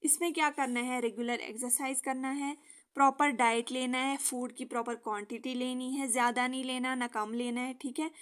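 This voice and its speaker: A young woman explaining a lesson for exam students in casual Hindi with English terms, often checking in with a quick "okay". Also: high-pitched, fairly even intonation, a bit bright, clean tone. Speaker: exam-prep teacher.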